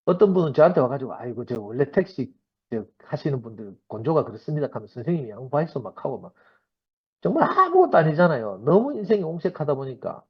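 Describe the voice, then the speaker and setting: A man in his fifties with a Gyeongsang accent gives a sermon-style testimony, slightly husky and pitched a little high. He tells his stories in a lively, anecdotal way. The recording is dull and lo-fi. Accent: Gyeongsang Korean. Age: 50s. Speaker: church member giving a talk.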